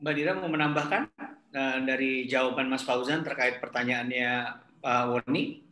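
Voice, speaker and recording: A male moderator with a bright, forceful tone hands the audience's questions on to the speakers. His voice carries a noticeable echo from the room he is in. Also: mid-range voice, steady tone, moderate pace. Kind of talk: webinar moderation. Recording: echoey room.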